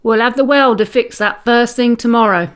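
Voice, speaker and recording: A woman voicing a brisk, caring male site foreman in a children's storybook, giving orders with concern. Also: fairly high pitch, a bit bright, clean tone, lightly acted.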